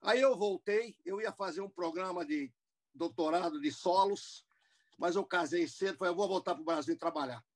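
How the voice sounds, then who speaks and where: Guest in his 70s, US-born man, slightly high voice, meandering storyteller with restarts, heard over a video call from a room at home. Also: moderate pace. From United States. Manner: rambling, with many restarts and asides. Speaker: guest businessman. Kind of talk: interview, telling his life story.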